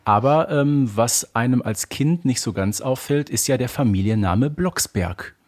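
A man talks as co-host of an informal podcast. His pitch is average for a male voice. He explains details in a knowledgeable, matter-of-fact manner, as in a relaxed conversation between two people. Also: a little slow. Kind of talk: casual podcast discussion.

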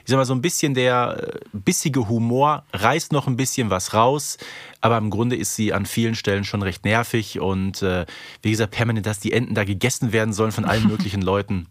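A man's voice: fairly low pitch, fairly quick, dry recording. Dry-recorded man co-hosting a podcast. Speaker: podcast co-host. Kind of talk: casual review chat.

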